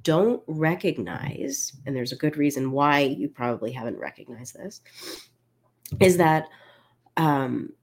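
A woman's voice: sits low, expressive, unhurried, breathy edge. A woman coaching on binge eating in a live-streamed talk, sounding congested, chatty and candid, laughing a little now and then.

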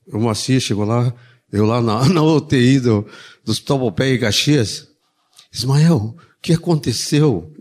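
A man's voice: mid-range voice, darkish tone. Man, chatty sermon, asks little tag questions, joking asides. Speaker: preacher. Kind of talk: informal sermon.

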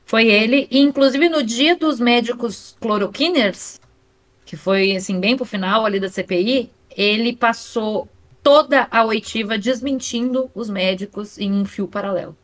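A woman with a Brazilian accent chatting casually as a co-host on a live stream. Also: medium pitch. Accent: Brazilian Portuguese. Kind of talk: casual chat.

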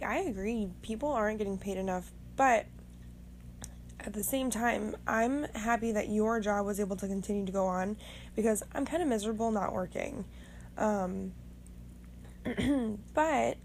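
A young woman with a raspy voice, just woken up, rambling frankly and swearing casually as the host of her own podcast. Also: medium pitch, darkish tone, a little hiss or hum. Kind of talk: casual monologue.

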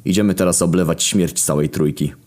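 Irreverent drinking Jesus, offhand and deep-voiced, read by a man. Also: a little fast, a little mellow. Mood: flippant. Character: laid-back irreverent male Jesus, drinking.

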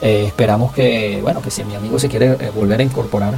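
Fast-talking Venezuelan man with a gravelly voice. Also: on the low side, music in the background. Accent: Venezuelan Spanish. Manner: slangy, animated, acts out dialogue. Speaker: podcast host. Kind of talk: casual storytelling.

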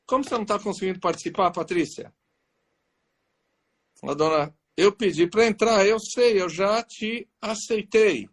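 Man, host, live video call, teasing banter, somewhat high voice. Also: normal speed. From Greek. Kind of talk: casual live video interview.

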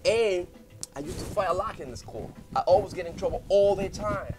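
A man's voice: sits high, a little fast. Man with faint music. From Puerto Rico. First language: Spanish. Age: 30s. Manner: rambling, heartfelt, many fillers and restarts. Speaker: guest, business owner. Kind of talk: casual interview talk. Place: studio.

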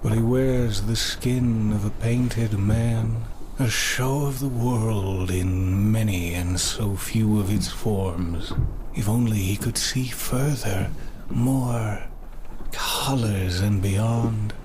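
A man's voice: on the low side, slow, darkish tone, slight background noise. A man playing a courtly, cryptic mystic prisoner in an improvised horror fantasy podcast, speaking in formal, ornate phrases with whispery moments. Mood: cryptic, persuasive. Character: caged male mystic prisoner, cryptic, courtly, quietly persuasive.

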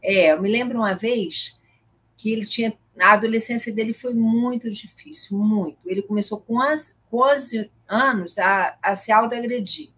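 A middle-aged woman, a guest telling stories about her autistic son in an animated way and acting out the dialogue. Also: fairly high pitch, normal speed, slight background noise. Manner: animated, retells scenes with quoted dialogue. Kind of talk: conversational storytelling.

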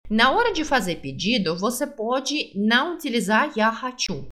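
Woman podcast teacher, bright and slightly high, patient drills, repeats every phrase. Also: very animated. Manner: slow, careful modelling of phrases, repeating each. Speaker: language teacher. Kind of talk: podcast language lesson.

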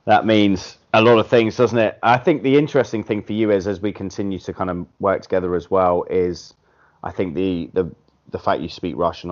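Deep-voiced blunt male podcast host. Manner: blunt, swears casually, animated when making a point. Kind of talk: casual podcast chat. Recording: dull lo-fi podcast audio.

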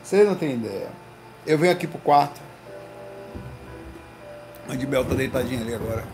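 A man hosting a casual livestream from his home, telling slangy, animated stories to his viewers. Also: medium pitch, a little fast, music in the background, poor audio. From Recife, Brazil. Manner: slangy, animated storytelling with lots of "velho" and "cara". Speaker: livestream host. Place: home room.

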